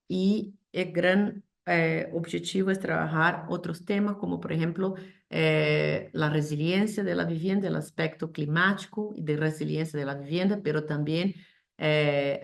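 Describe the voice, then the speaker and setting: Speaking Spanish, which isn't her first language, a woman presents to a panel over a video call. Her low, creaky voice is hesitant, full of fillers and restarts, and she slips into English for certain terms.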